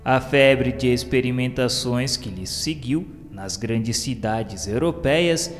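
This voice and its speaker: A Brazilian man reads scripted radio-novela narration with formal reverence. His delivery is very slow, in a mid-pitched voice with long reverb, over a music bed.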